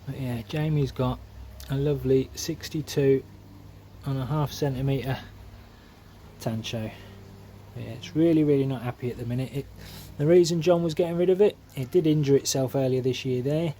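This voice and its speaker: A man with a dark-toned, mid-range voice talks at normal speed as he vlogs beside the pond in his back garden. He's a koi keeper, chatty and homely, using many fillers. A little hiss or hum is present, and the camera mic switches between handheld and tripod.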